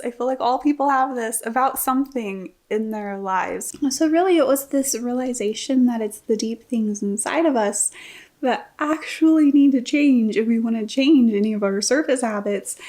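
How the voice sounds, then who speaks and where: A woman's voice: fairly high pitch, darkish tone. A young woman vlogging casually, chatty and self-deprecating, often laughing at herself. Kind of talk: casual vlog talk.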